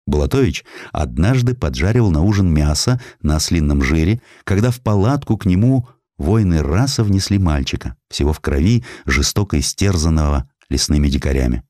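Deep-voiced male narrator, dry studio sound. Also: lively intonation, normal speed, few pauses, darkish tone, dry recording. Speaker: audiobook narrator. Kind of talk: dramatic scripted narration of a historical story.

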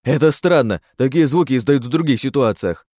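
A man's voice: mid-range voice, lively intonation, fairly quick, darkish tone, no echo, pitched above the performer's own voice, lightly acted. A raised, lighter voice for an eager young woman mage, as a male narrator puts her on, lecturing matter-of-factly. The recording is dry and close. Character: brisk, knowing young female mage.

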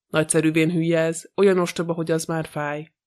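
A man's voice: on the high side, little pitch movement, darkish tone, smooth, natural voice. A man reading the lines of a fussy, proud older detective in an audiobook, precise and polite.

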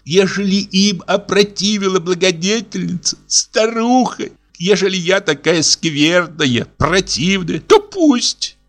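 A man's voice: high voice, expressive, slow pace, soft background music, pitched above the performer's own voice, exaggerated voice. A man voicing an old general's widow who whines and sulks, tearful and self-pitying. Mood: wounded. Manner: tearful, wheedling.

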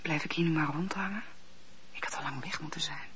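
A woman playing a sullen, sceptical seventeen-year-old maidservant in a Dutch radio play, speaking in a hushed, confiding, husky voice. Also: low voice, a little fast, background noise, close to an everyday voice. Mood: resentful, hushed. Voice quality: breathy, husky. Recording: dull, muffled old radio-play recording.

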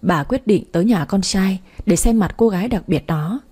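A woman narrating a first-person story in an even, storytelling manner. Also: mid-range voice, moderate pace, husky.

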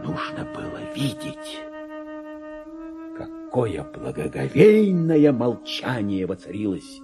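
An actor playing a deluded petty clerk who believes himself a king, in a theatrical radio monologue with a husky, grandiose and erratic delivery. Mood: grandiose, gloating. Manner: grandiose, erratic, swinging from hushed confiding to shrill outbursts.

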